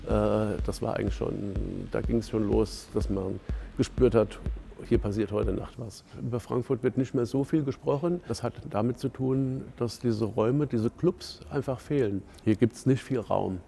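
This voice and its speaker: A man's voice: fairly low pitch, moderate pace, vocal fry, dark tone, slight background noise. A man giving an interview, speaking in a reflective, conversational way with a few fillers.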